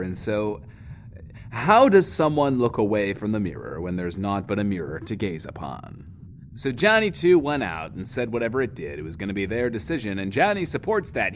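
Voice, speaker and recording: A man's voice: medium pitch, slight background noise. Theatrical, swooping male radio host. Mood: wistful, apologetic. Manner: theatrical, self-important, wordy. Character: showboating lonely male post-apocalyptic bunker radio host. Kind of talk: in-world radio show monologue, audio drama.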